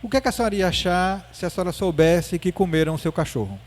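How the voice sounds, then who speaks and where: A man's voice: high voice, fast, close to an everyday voice. A man voicing a serious, stubborn six-year-old girl who argues her case plainly, within a spoken lecture. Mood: insistent. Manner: earnest, matter-of-fact arguing.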